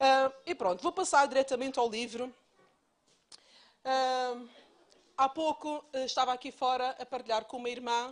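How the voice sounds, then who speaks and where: A high-pitched woman at a moderate pace, fairly even in intonation, with long, frequent pauses. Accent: Madeiran. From Madeira, Portugal. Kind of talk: church talk presenting her book. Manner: hesitant, with fillers.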